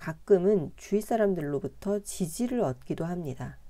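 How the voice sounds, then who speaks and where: At a fairly slow pace, a woman speaks in a dark, mellow tone at a medium pitch, her pitch swinging very widely. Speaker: book-reading YouTuber, former fashion designer. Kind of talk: nonfiction book reading aloud.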